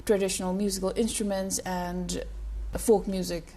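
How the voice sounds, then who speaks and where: A woman's voice: mid-range voice, little pitch movement, normal speed, mellow, slight background noise. A woman hosting an interview, asking her questions with some fillers. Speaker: interviewer, host.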